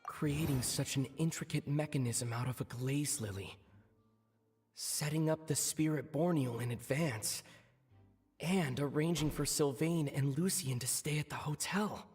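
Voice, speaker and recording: An actor playing a calm young male investigator in a video game, laying out deductions in a measured, deliberate way. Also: a little high, breathy edge. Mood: measured, serious. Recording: game dialogue with music behind. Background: game music.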